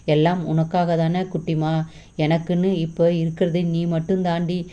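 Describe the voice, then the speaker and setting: A woman voicing a remorseful young husband, soft and pleading, in a story reading. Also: fairly low pitch, flat delivery, normal speed, natural voice. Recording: slightly dull lo-fi recording.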